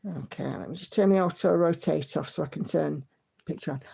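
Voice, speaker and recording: A livestream host chats casually, encouraging viewers as she reads their comments and hums to herself. Her fairly low voice is mellow and slightly rough, with vocal fry, and she talks fairly quickly.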